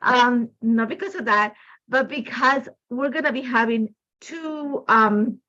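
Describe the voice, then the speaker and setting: Hosting a crafting demo live from her home, this design team member chats casually for a live stream, rambling and leaning on "like, you know." She grew up in Ecuador speaking Spanish first, and her English carries an Ecuadorian Spanish accent. She speaks slowly with a fairly high, sharp-toned voice, and the recording sounds muffled.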